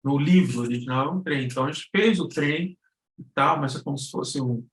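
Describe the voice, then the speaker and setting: Higher-voiced man in an echoey room. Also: a little fast. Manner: explanatory, checks in with frequent tag questions. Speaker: guest instructor. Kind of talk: informal live lesson on podcast production. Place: indoor room on an online live stream. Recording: roomy, echoing live-stream audio.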